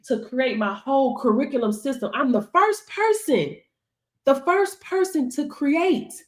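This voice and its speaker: A woman's voice: high voice, darkish tone. A woman leading a workshop in a preachy, motivational way. She repeats phrases for emphasis, laughs often and calls her listeners baby. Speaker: workshop instructor.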